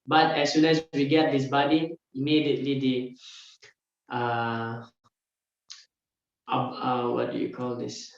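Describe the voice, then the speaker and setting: A man teaching a scripture class, explaining verse by verse and often filling pauses with "yeah" and "uh". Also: mid-range voice, little pitch movement, vocal fry. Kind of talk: scripture lecture. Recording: very echoey room, dull lo-fi sound.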